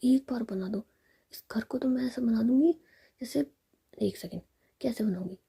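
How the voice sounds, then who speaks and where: A woman's voice: fairly high pitch, moderate pace, creaky, dark tone, slightly rough, full character voice. A woman voicing a playful but worried young woman facing an arranged marriage, whispered.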